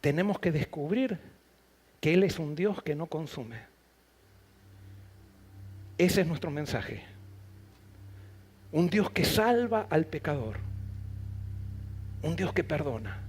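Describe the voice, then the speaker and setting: A man preaching a sermon to a congregation, building phrases through repetition and rising emphasis, then easing into a quieter, reflective appeal. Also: on the high side, lively intonation, takes it slowly, long pauses, soft background music.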